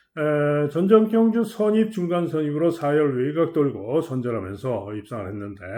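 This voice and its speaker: At a moderate pace with hardly any pauses, a man with a fairly high pitch and a dark, mellow tone speaks with very wide pitch swings and big swings in loudness. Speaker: horse racing tipster. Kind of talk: race predictions broadcast. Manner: many filler sounds (어, 아, 에).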